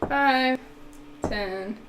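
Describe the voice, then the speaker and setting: A woman with a put-on Southern US drawl and a slightly high voice, joking and cursing as she plays her turn in a tabletop game. She sounds blunt and playful. The room is echoey, with a little background hiss. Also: extremely slow, a bit bright. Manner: playful, blunt, swears and jokes. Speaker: player. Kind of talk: casual tabletop play. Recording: echoey room with faint noise.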